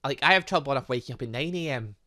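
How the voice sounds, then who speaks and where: A man's voice: mid-range voice, lively intonation, rapid-fire, sharp tone. A man hosting a gaming channel, giving let's play commentary on a visual novel with dramatic, exclaiming reactions.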